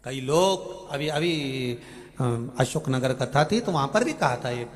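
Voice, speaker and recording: A man from Madhya Pradesh giving a devotional Hindu sermon, moving between sung verses and emphatic preaching that swings from loud outbursts to soft asides. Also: medium pitch, lively intonation, measured pace. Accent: Madhya Pradesh Hindi. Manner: sings bhajan lines, then preaches with emphatic rising outbursts and soft drops. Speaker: kathavachak preacher.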